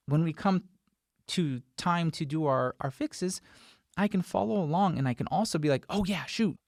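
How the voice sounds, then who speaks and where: A man's voice: a little high, a bit bright, dry recording, clean studio sound. A man in his forties giving an informal tutorial to camera, stressing points by repetition and acting out example remarks. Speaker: instructor, video host. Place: small home studio, indoors. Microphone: desk microphone close in front.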